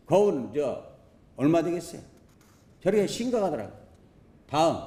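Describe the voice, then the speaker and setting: A council member speaks at a podium in an echoey assembly chamber. His voice sits a little high but sounds dark and mellow, and his pitch swings widely as he presses each point. He argues emphatically, leaning on rhetorical questions and folksy sayings. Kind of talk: questioning session speech. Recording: roomy chamber echo.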